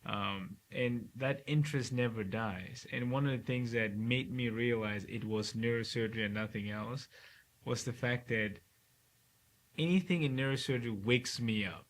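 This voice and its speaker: A man from Cameroon, a neurosurgeon, talking calmly and often checking in with "right?" as a guest. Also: medium pitch. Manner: calm, measured, ends points with "right?". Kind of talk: casual interview talk.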